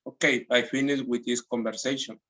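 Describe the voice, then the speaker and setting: A man with a Mexican Spanish accent, teaching English from a textbook and reading the lines slowly with restarts. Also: mid-range voice, fairly even intonation, fairly bright tone, lo-fi sound. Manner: reads slowly, with restarts and nonstandard grammar. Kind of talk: textbook lesson, repeating audio lines.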